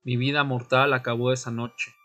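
A man playing a tormented young vampire, narrating an audio drama in the first person with solemn, deliberate, dramatic pauses. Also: mid-range voice, flat delivery, sharp tone, natural voice. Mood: haunted, somber. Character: Fernando, tormented newly turned male vampire recounting his death. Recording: music bed under the voice.

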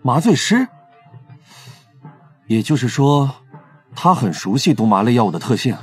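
An actor playing a teasing, confident young police team leader in an audio drama. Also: male voice, mid-range voice, big pitch swings, measured pace, slightly rough, full character voice. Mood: brisk, commanding. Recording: faint music under the voice.

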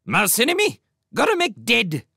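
A savage bird king from a storybook. The voice is pushed high and harsh, with a creaky, shrill edge. He bullies and barks in clipped, broken grammar, full of wrath. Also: sing-song, slow, bright, forceful tone, no echo, studio quality, exaggerated voice. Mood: angry, commanding. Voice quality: shrieking, harsh.

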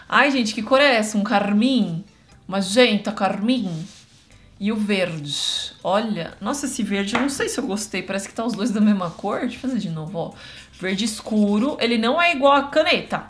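A woman, chatting casually to viewers as she tests art markers close up. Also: mid-range voice. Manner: chatty, talks to viewers while drawing. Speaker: art youtuber testing markers.

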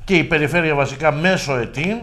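A man's voice: a little high, sharp tone. A middle-aged man, a regional deputy governor, arguing his case emphatically in a local TV interview and using rhetorical questions.

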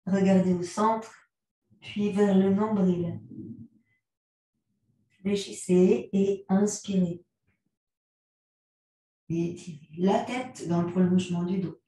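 A woman guiding a yoga class, giving calm, unhurried cues timed to the breath. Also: mid-range voice. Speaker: yoga teacher. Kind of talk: guided yoga class instruction. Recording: very echoey room, mic far off.

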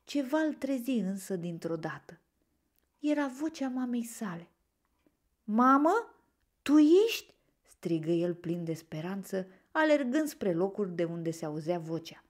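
Storyteller, woman, gentle expressive read-aloud of a children's book. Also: fairly low pitch.

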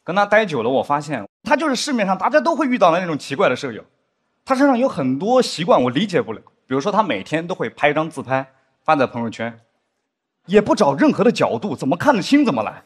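A man performing a stand-up comedy set on a studio stage, acting out drama scenes with big pitch swings. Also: big pitch swings, fast, slightly rough. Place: studio stage with live audience.

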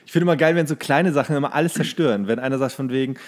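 A man co-hosting a podcast, chatting casually and telling stories in an animated, comedic way. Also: mid-range voice, rapid-fire. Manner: animated storytelling, acts out quoted dialogue. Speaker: podcast co-host. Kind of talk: casual comedic chat, retelling scenes.

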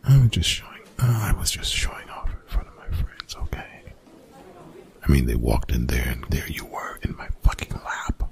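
Man playing a whispering, gravelly young college bully. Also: very animated, normal speed, exaggerated voice. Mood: defensive, exasperated. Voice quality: whispered, breathy, gravelly low voice. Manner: hushed, exasperated, slangy and swearing. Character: young male college bully, gruff, defensive, grudgingly apologetic. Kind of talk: ASMR roleplay.

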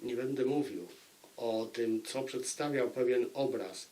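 A man giving an unscripted book review, speaking deliberately and repeating phrases for emphasis. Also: medium pitch, dark tone.

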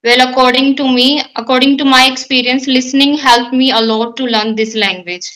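A woman's voice: sits high, steady tone, moderate pace, a bit bright, poor audio. A young woman from India speaking English with an Indian accent, Hindi and Marwari her first languages, answering questions carefully on a video call. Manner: thoughtful, careful, with frequent light laughs. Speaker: guest learner. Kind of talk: English speaking practice conversation. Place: indoor room at home. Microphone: video call webcam.

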